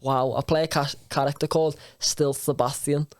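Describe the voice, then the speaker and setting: A man's voice: fairly high pitch, little pitch movement, normal speed, dry recording, clean studio sound. A young man with a Scouse accent from Liverpool talks as a guest on a casual podcast, slangy, emphatic and sweary. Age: young adult.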